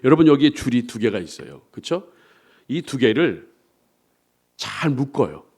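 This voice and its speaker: A male pastor preaches a sermon in a medium-pitched, very animated voice that is a little slow, a little mellow and slightly rough. He asks the congregation to repeat after him and acts out the complaints of believers in quoted voices.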